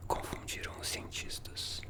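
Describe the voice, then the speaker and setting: Whispered Brazilian ASMR magazine reading. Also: a little slow. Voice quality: soft unvoiced whisper. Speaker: ASMR creator.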